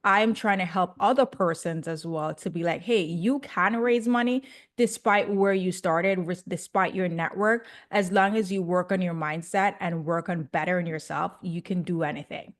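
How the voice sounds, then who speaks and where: A woman's voice: lowish voice, moderate pace. A young woman from Jamaica with a Jamaican accent, a chatty podcast guest who laughs easily. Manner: chatty, laughs often, excitable. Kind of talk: casual interview.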